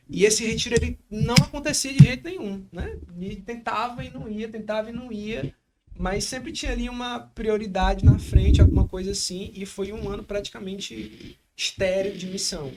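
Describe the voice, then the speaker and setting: A man with a Brazilian accent from Espírito Santo, hosting a podcast in casual, animated chat full of slang fillers. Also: high-pitched, noisy background. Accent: Espírito Santo Brazilian Portuguese. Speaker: podcast host.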